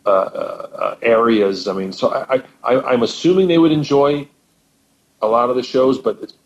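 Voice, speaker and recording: A man's voice: mid-range voice, normal speed, muffled recording. A man, a professional musician guest, chatting with enthusiasm and often repeating words as he thinks. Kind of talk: casual chat.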